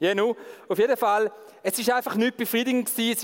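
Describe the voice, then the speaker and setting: Speaking at a very fast pace, a man has an animated tone. He talks with a Swiss accent. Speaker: former addict giving testimony. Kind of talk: testimony. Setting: stage with audience.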